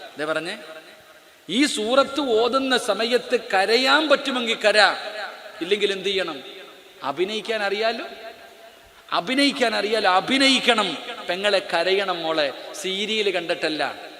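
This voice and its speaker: A male Islamic preacher addresses a live hall audience in a fairly high voice. He calls out to the crowd and puts questions to them in a sermon cadence. His voice rings through an echoey auditorium with a long reverb tail. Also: lively intonation, a little slow, pauses often, sharp tone. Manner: speaks straight to the crowd, calls out and questions listeners.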